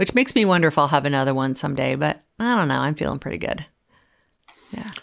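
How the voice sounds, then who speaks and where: Vocal fry runs through lively intonation. The recording is very clean, with a silent background. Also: woman. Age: 40s. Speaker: fitness coach and podcaster. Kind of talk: interview.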